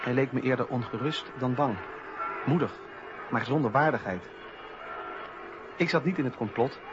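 An actor playing a principled eighteenth-century male philosopher-politician, speaking in measured, earnest, formal testimony for a radio docudrama. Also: medium pitch, music in the background, close to an everyday voice. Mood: sober recollection. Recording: dull, noisy old radio recording.

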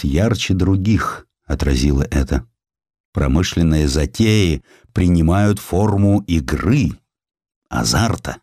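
Guy doing a grand old-school courtroom lawyer, eloquent, emphatic, low voice w big swings, audiobook. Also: darkish tone, no room sound, studio quality. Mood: solemn oratory. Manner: emphatic, rhetorical, drawn-out key words. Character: impassioned male defense lawyer, moral and eloquent orator.

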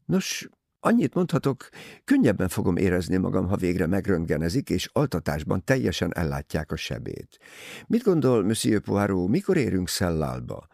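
A man voicing a brisk, worried middle-aged nurse who speaks in a clinical, matter-of-fact way. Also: low-pitched, very animated, gravelly, darkish tone, no echo, clean studio sound, heavily acted. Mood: concerned.

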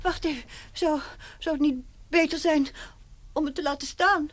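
A woman's voice: high voice, fairly even intonation, moderate pace, natural voice. An actress in a radio drama playing an anxious middle-aged mother who pleads tremulously, stammering and repeating herself. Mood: hesitant, fretful. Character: anxious, pleading mother pining for her son. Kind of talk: Dutch radio drama acting. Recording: noisy old radio play recording.

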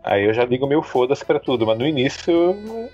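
A man's voice: mid-range voice, sing-song, moderate pace, a little mellow, husky, highs cut off, faint music behind. A Brazilian man with a Brazilian Portuguese accent, a podcast guest telling stories in a shy, self-deprecating way, full of fillers. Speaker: guest, content creator. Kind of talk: casual podcast conversation.

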